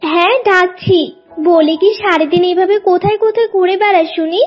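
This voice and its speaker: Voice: very high-pitched, steady tone, fairly quick. A performer voicing an anxious, motherly doe auntie in a children's cartoon, in slightly dull sound with music behind. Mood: fussing, scolding. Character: anxious, fussing motherly doe, aunt to a duckling.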